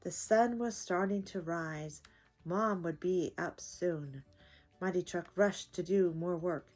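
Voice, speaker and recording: A woman's voice: fairly low pitch, takes it slowly, a little mellow, soft background music. An older woman hosting a children's story time, reading aloud expressively to young listeners.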